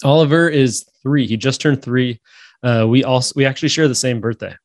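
A man's voice: mid-range voice, a little fast, no echo. A man in his thirties from Florida, a laid-back guest chatting on a podcast. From Tampa, Florida. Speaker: guest, blogger. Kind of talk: casual chat.

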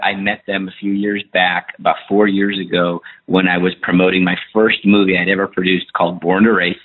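Middle-aged man, very low voice, phone-line sound, rambling and upbeat interview guest. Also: little pitch movement, fairly quick. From Iran. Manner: enthusiastic, rambling storytelling. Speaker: guest, film producer and actor. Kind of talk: casual interview talk.

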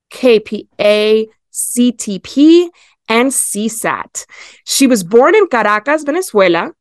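A woman's voice: fairly high pitch, no echo, clean studio sound. A woman in her thirties from Ecuador, hosting a pet podcast in a chatty, enthusiastic way. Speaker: podcast host. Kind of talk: casual chat.

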